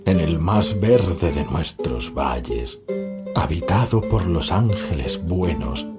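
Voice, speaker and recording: A man playing a melancholy, haunted poet who recites dark verse in a grandiose, declamatory way. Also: low-pitched, animated, slow pace, voice pushed down. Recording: loud guitar music over the voice. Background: plucked guitar music.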